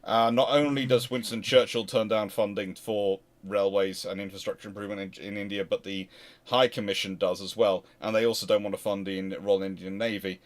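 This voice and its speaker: A man's voice: on the low side, level tone, a little fast. A British man in a casual livestream history discussion, hosting and answering questions in a rambling, emphatic way that often interrupts itself. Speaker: host answering viewer questions.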